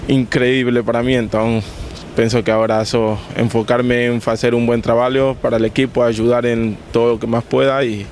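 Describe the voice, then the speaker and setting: Man with Spanish accent, even pitch. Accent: Spanish-speaker's accent in Portuguese. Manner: mixes Spanish words into Portuguese. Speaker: footballer. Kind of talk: informal player interview. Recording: outdoor noise with passing vehicles.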